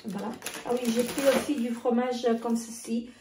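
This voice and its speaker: A woman, losing her voice, chatting casually through a grocery haul with many halting fillers and restarts. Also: a little high, fairly even intonation, darkish tone, recorded from a distance. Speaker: vlogger. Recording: echoey room, voice off-mic.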